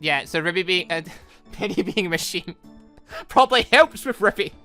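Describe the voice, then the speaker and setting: Bright, animated gaming commentator. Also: medium pitch, moderate pace. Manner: excitable, rambling, repeats words. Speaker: gaming channel host. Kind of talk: casual playthrough commentary, reading visual novel dialogue aloud. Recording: music behind the voice. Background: background music.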